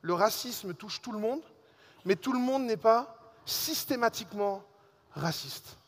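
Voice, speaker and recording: High-voiced man preaching in a reverberant hall. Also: unhurried. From Alsace and Réunion. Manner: lively storytelling, addresses the congregation directly. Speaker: pastor. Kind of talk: sermon. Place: church hall.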